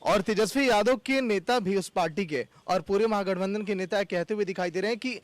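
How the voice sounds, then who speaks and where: A man's voice: sits high, brisk, no echo. A man, a news reporter, putting pointed questions in a field interview and signing off.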